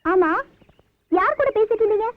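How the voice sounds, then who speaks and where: A woman's voice: extremely high pitch, animated, normal speed, noisy background. A pleading young village woman. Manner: pleading, emotional. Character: young poor village woman, anxious devoted lover. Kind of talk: 1990s film drama dialogue. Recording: tinny old film soundtrack with music.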